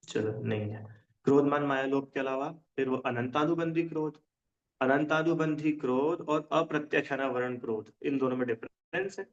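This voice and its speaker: A man teaching a religion class in casual Hindi. He often checks whether his students understand and explains with everyday examples. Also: a little high. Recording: dull lo-fi sound.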